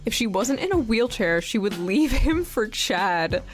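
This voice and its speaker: Woman doing sardonic sweary video commentary, voice a bit high, quiet music under it. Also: big pitch swings, measured pace. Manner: sardonic, profane.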